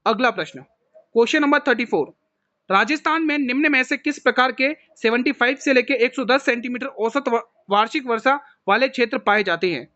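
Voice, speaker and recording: A man, a coaching teacher solving an exam paper for students in a brisk way, who often calls them "mere bhai". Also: extremely high pitch, pushed and bright, dry recording, highs cut off. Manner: brisk, calls viewers "mere bhai", keeps saying "theek hai".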